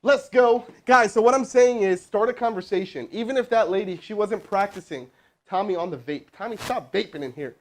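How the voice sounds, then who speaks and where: A man hosting a live stream as a sales trainer, energetic and casual, with chatty asides to his crew. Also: sits high, brisk, a little hiss or hum. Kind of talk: hyped live-stream coaching and cold calling. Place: indoor room with crew present.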